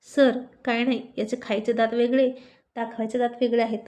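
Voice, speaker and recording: A sneaky young male student who gloats over his scheme in a narrated story, as a woman reads him. He sounds sly and accusing, in a fairly high voice. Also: level tone, normal speed, darkish tone, close to an everyday voice.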